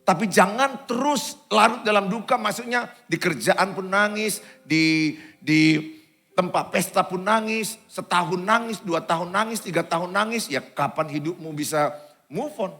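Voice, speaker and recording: A man from Medan preaching a sermon as pastor of his church, swinging between loud urgent exhortation and quiet asides. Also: high voice, measured pace. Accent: Indonesian, Medan. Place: church auditorium.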